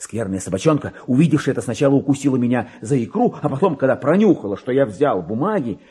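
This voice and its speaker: Speaking fast at a medium pitch, a man performs a theatrical radio-play monologue as a paranoid, self-important, excitable petty clerk. His husky voice is agitated and unstable, lurching from confidential murmurs into sudden outbursts.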